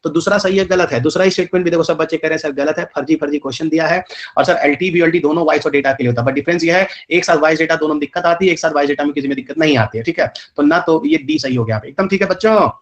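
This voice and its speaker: Fast-talking scolding male exam teacher. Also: on the high side. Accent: rural north Indian Hindi. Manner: scolding, rhetorical questions to students; rapid colloquial Hindi mixed with English terms. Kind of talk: live online lecture.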